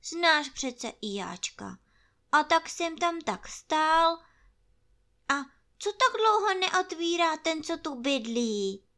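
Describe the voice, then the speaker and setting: A woman's voice: high-pitched, big pitch swings, bright, forceful tone, voice pushed up, exaggerated voice. A woman voicing a kind, muddled little male teddy bear who sounds eager and wondering in a storybook reading. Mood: friendly.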